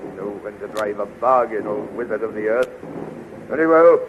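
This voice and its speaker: A man's voice: on the low side, animated, normal speed, lightly acted. Man acting a blustering tyrant king, scratchy old radio. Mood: grudging, suspicious. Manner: imperious, bullying, declamatory. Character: blustering, suspicious tyrant king of winged Hawkmen. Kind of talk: 1930s radio serial acting. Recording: scratchy, tinny 1930s radio recording.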